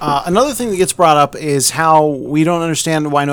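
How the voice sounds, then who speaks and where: Speech comes at a very fast pace with ordinary pitch variation, against noticeable background noise. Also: man. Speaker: podcast host. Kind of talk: casual chat.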